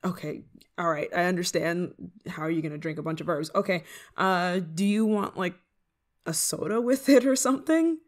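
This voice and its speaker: A woman's voice: on the low side, moderate pace, lightly acted. A woman playing an eager, affectionate, scatterbrained novice witch in an ASMR roleplay, coaxing the listener in a giggly manner. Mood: chatty, flustered. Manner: giggly, coaxing, hesitant asides. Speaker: roleplay voice performer.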